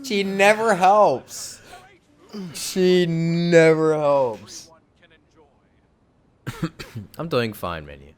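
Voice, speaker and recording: A woman streamer making quiet offhand comments while playing a game. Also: on the low side, lively intonation, extremely slow, pauses often. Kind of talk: casual reactions over gameplay.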